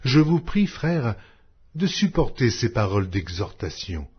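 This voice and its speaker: A man with a low, husky voice reads scripture aloud as a solemn narrator. His delivery is measured and declamatory, rising and falling widely in pitch. The recording is dull and lo-fi. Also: sing-song. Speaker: audiobook narrator reading scripture. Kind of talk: solemn scripted Bible reading.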